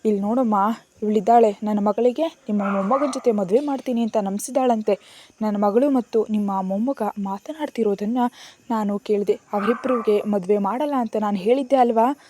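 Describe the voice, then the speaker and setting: Storybook figure: woman voicing a scolding, sarcastic middle-aged aunt, mellow timbre, raised voice. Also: mid-range voice, normal speed, a little hiss or hum, lightly acted. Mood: scornful. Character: sharp-tongued middle-aged aunt, scornful and loud.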